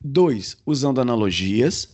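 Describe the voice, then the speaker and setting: A man coaching on communication as a podcast guest, explaining in a deliberate way and demonstrating changes in his own pitch and pace. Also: expressive, a little mellow.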